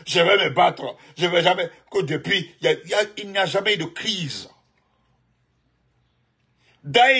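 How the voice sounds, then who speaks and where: Husky, forceful man ranting live. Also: fairly high pitch. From Guinea. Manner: emphatic, repetitive, jumps between topics and greetings. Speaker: live-stream political commentator. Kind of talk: rambling live commentary greeting viewers.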